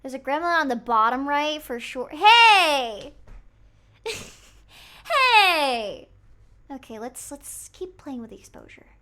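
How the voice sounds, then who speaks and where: A woman's voice: sits high, fairly quick, hardly any pauses, bright, forceful tone. A woman livestreamer with a cute, girlish anime-like voice, commenting casually and playfully on a game to her chat, sometimes murmuring to herself. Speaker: livestreamer playing a horror game.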